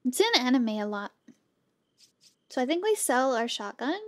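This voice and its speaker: A woman's voice: high voice, sing-song, normal speed, fairly bright tone, dry recording. A woman doing casual, playful live gameplay commentary, chatting with her viewers as she plays. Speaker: game streamer.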